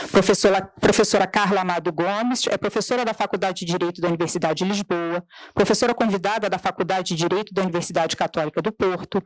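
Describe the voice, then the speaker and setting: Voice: medium pitch, no echo, poor audio. Formal moderator reading speaker bios. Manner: steady, formal listing. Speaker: conference moderator.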